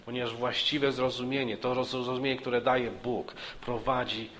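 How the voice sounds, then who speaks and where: A man preaching a sermon, earnest and repeating himself with small restarts, rising for emphasis and dropping low and soft. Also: level tone, moderate pace, slight background noise. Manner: earnest, repeats phrases with restarts, rises for emphasis and drops softly.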